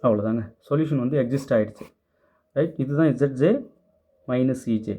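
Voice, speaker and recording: A man's voice: mid-range voice, normal speed, warm tone, slight background noise. A man teaching maths, going through a worked problem step by step and answering students' doubts, mixing English terms into his speech. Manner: methodical, step-by-step, mixes English terms into Tamil. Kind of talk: explaining worked problems in class.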